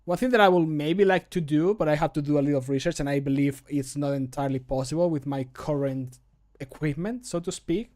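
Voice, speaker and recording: A streamer and game modder in his thirties talks casually and jokily while working, his slightly high, darkish voice coming a little fast with few pauses. He's close to a desk microphone at his home setup indoors, now and then muttering to himself and swearing.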